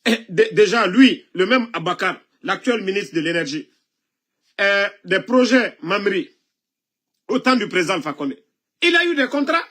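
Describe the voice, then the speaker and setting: A man's voice: high-pitched, big pitch swings, moderate pace, fairly bright tone. A man giving impassioned political commentary, coughing now and then from a cold, scolding and asking pointed rhetorical questions.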